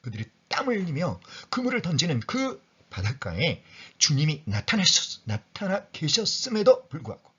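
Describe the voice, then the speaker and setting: Husky-voiced man preaching a sermon. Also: a little high, a bit bright, highs cut off. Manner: rhetorical questions, dropping to a whisper for emphasis. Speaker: pastor.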